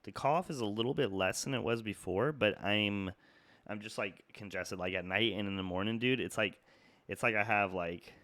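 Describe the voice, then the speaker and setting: A man's voice: fairly low pitch, normal speed, sharp tone, no room sound. A young man with a stuffy, congested nose from a cold, casually talking through stock charts with lots of fillers and restarts. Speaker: market analysis YouTuber. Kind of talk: casual trading chart talk.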